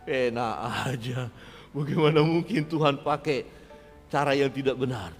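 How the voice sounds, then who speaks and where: A man preaching with fervor, his voice sitting a little high as it rises into loud calls and falls to near-quiet asides. His words ring out in a church hall with a long reverb, and faint music plays underneath. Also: normal speed, husky. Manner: fervent preaching with rising exhortations and sudden soft drops. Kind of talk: sermon.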